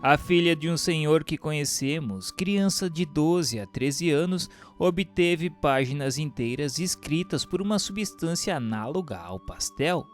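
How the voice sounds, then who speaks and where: A man narrates a formal text in a measured, deliberate way. His voice sits a little high and rises and falls in wide, lively swings. Soft music plays faintly beneath the reading. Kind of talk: scripted reading of a spiritist book.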